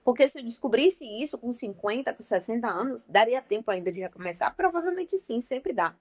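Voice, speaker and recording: A woman's voice: a little high, animated, a little fast. A young woman giving an informal Christian devotional talk, speaking emphatically and straight to her listeners with affectionate asides. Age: young adult. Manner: emphatic, talks straight to the listener as "meu amor" and "gente".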